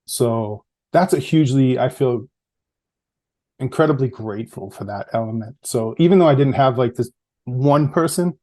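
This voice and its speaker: Man, middle-aged, central Massachusetts accent, mellow dark tone, reflective, easygoing, casual interview guest. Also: mid-range voice, normal speed. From Massachusetts, USA. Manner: reflective, easygoing, with frequent fillers and soft laughs. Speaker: podcast guest, public health researcher.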